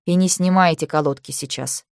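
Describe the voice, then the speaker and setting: A woman voicing a caring young woman who gives quiet, gentle advice. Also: deep voice, a little fast, gravelly, smooth, dry recording, clean studio sound. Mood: tender. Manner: soft, quiet, advising.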